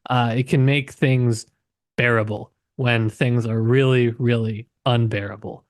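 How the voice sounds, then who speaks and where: A man's voice: mid-range voice, steady tone, unhurried, no room sound, clean studio sound. A man co-hosting a podcast, casually discussing literature and tentatively thinking aloud as he goes. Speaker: podcast co-host.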